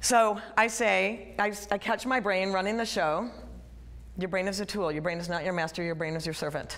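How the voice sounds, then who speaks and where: A woman with an animated tone and some vocal fry talks at a moderate pace, her medium pitch showing ordinary variation. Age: 50s. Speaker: parenting coach and author. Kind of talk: workshop class. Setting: room with live audience.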